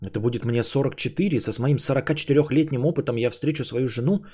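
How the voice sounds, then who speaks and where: A man's voice: medium pitch, fast talker, husky. Musing man in his thirties, cursing. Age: 30s. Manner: musing aloud, swearing, drifts between lively and quiet. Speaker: podcast host. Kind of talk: rambling solo monologue.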